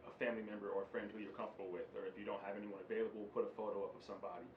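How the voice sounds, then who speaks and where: Low quick-talking man, echoey room. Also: little pitch movement. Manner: rambling, lots of ums, earnest. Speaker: co-host, former radio broadcaster. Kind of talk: casual instructional chat. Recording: echoey lo-fi room with faint hum.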